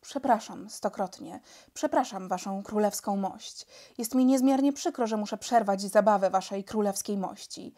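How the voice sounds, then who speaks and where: A woman's voice: mid-range voice, normal speed, few pauses, dark tone, lightly acted. A woman reading a storybook, voicing a formal, apologetic male prime minister.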